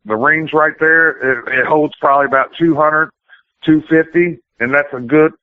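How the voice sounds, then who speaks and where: A man's voice: a little high, steady tone, normal speed, dry recording. A man, a pro wrestler giving a casual interview, who rambles in plain-spoken, colloquial and sometimes profane speech. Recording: tinny phone-like radio interview audio.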